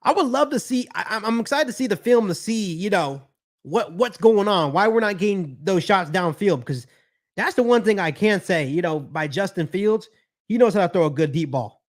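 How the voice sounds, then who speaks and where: A man's voice: high voice, lively intonation, normal speed. A man with an American accent hosting a live football stream, giving conversational play-by-play and fan reaction, often repeating his phrases. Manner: repeats phrases, conversational, talks back to chat. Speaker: sports podcast host doing live play-by-play.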